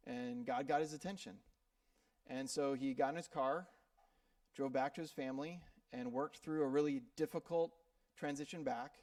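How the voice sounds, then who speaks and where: A man's voice: mid-range voice, a little mellow, no echo, studio quality, far from the mic. A man from Minnesota preaching a sermon in a church, talking in a loose, conversational way with fillers and repeated words. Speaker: pastor. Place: church sanctuary.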